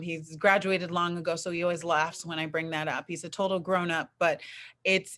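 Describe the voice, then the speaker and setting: Woman host, upbeat and encouraging, bright forward voice, casual video-call emcee. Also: lowish voice. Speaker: host of a youth poetry reading.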